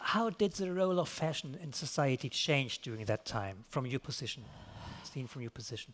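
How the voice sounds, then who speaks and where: This is a man with a fairly high voice. His pitch rises and falls very widely. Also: moderate pace. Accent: German. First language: German. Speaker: magazine style editor, interviewer. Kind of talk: on-stage interview. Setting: stage with audience.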